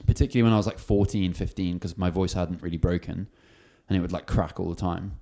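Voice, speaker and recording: A man's voice: low-pitched, flat delivery, gravelly, warm tone. A man in his twenties, chatting casually and jokily as the channel host. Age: 20s. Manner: chatty, joking, fast. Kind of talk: casual Q&A chat.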